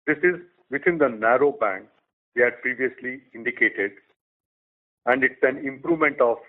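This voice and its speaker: Company CEO, medium-pitched man, reads quarterly results in a measured way over a phone-quality line. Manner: measured, reads figures in short phrases. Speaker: company chief executive. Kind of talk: prepared business update.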